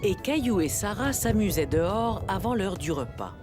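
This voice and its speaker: A woman as the gentle storybook narrator of a French children's cartoon, reading a scripted story. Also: mid-range voice, expressive, moderate pace, close to an everyday voice. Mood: gentle, storytelling. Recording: music behind the voice.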